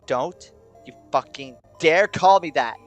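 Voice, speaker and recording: A man's voice: a little high, slow pace, faint music behind. A man voicing an intense, volatile teenage schoolgirl in a dramatic story reading. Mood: furious. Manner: stammering, intense. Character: angry, panicked teenage schoolgirl with a knife. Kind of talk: dramatic fan-fiction reading.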